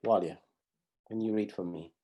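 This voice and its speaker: This pathfinder honour instructor, a middle-aged man from Zambia, leads a class by video at a normal speed. His low, warm, dark voice explains each step in turn, and he regularly repeats or restarts a phrase partway through.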